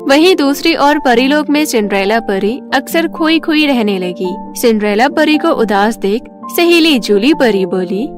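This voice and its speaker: High-voiced woman storyteller over music. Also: lively intonation, unhurried, few pauses. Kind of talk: scripted children's story narration.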